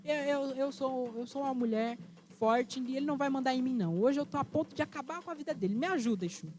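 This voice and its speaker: A woman's voice: high-pitched, a little fast, a little mellow, faint music behind, pitched above the performer's own voice, natural voice. A woman storyteller voicing a proud, furious warrior queen who speaks defiantly. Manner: indignant, defiant, raised voice.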